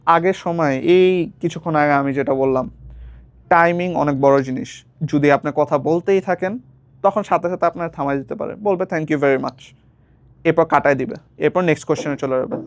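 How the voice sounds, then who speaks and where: A young man casually gives a speaking lesson as a tutor, slipping English phrases into his explanations and repeating words as he explains. His voice is a little high, and the recording is dry.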